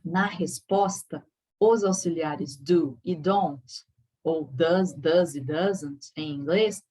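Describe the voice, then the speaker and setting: Husky Brazilian teacher explaining patiently. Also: female voice, low voice, darkish tone, rough recording. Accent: Brazilian Portuguese. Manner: explains slowly, stressing English words and checking with "tá?". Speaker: English teacher. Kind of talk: recorded classroom lesson.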